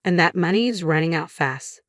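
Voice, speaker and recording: A woman's voice: lowish voice, lively intonation, normal speed, dry recording, studio quality, close to an everyday voice. A woman reading the part of a curt, dismissive husband who talks in a biting, sarcastic way.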